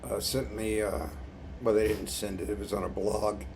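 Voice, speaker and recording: Unboxing something on his vlog, a man talks casually and wryly, laughing at his own comments, with an irritated throat. His fairly low voice is level, moderately paced, a little mellow and has vocal fry. The recording carries noticeable background noise.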